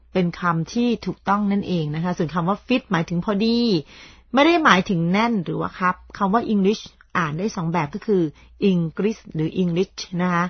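A woman's voice: fairly low pitch, husky, dry recording. A middle-aged woman hosting a radio program, chatting politely and informally about word usage, and stopping now and then to remark on her own pronunciation. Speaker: radio host. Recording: slightly dull, dry lo-fi broadcast recording.

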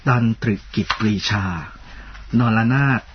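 A man co-hosting a radio talk show in a polite, measured, formal way, often reading out a list of titles. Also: muffled recording, background noise. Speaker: radio co-host.

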